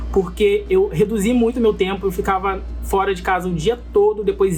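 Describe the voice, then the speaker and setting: A woman at a moderate pace, with music behind her. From Rio de Janeiro, Brazil. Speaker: medical student. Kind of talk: casual testimony.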